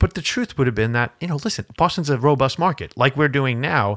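A man in a New York accent speaks at a fairly quick pace, dry and close with no echo, on a very clean recording with a silent background. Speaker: journalist and newspaper editor. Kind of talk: interview. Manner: halting, many fillers and restarts.

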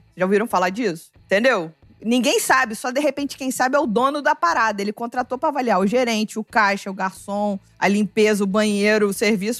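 A woman talks at a fairly quick pace with hardly any pauses, in a fairly high pitch with ordinary pitch variation. The sound is dry and close with no echo, and music plays in the background. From Duque de Caxias, Rio de Janeiro, Brazil. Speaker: beer podcaster. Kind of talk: casual chat.

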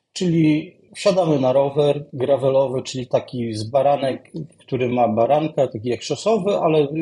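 At a fairly slow pace, a man with a Polish accent speaks in a fairly high pitch, somewhat breathy, with a dark, mellow tone. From Poland. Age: 50s. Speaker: amateur endurance runner. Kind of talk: casual interview conversation.

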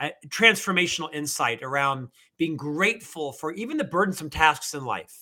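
This man has an American accent and a fairly high pitch. His tone is bright and sharp, and he keeps a moderate pace. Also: ordinary pitch variation. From Orlando, Florida. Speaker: author and mentor. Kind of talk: interview answers.

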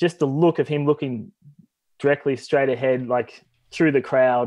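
A man's fairly high voice at a moderate pace. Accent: Australian. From Melbourne, Australia. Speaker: music photographer. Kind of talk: casual interview chat.

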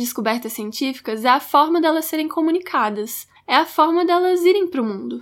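A woman is speaking with lively intonation. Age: 20s. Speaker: social sciences undergraduate researcher. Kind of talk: scripted podcast narration.

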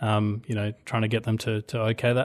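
With a strong Australian accent, a man speaks fairly quickly at a medium pitch, the sound dry and close with no echo over a quiet background. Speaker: app developer. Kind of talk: casual interview chat. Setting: remote call across time zones.

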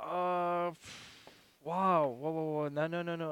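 A man's high voice at a fairly slow pace with fairly even intonation. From France, Paris. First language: French. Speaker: motocross journalist and photographer. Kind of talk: casual chat. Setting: studio.

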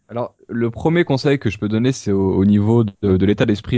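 This man has an ordinary speaking voice set at a fairly low pitch. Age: 20s. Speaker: entrepreneur, image and dating coach. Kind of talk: interview.

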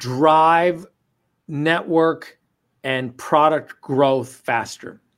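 Speaking at a very slow pace, a man with a fairly high pitch keeps his intonation fairly even on a very clean recording with a silent background. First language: English (speaking Spanish). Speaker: company executive. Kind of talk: corporate address with interpreter.

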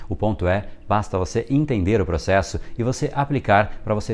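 A man with a normal speaking voice and fairly low pitch talks at a moderate pace with lively intonation. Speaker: persuasion coach. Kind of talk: scripted narration; lecture.

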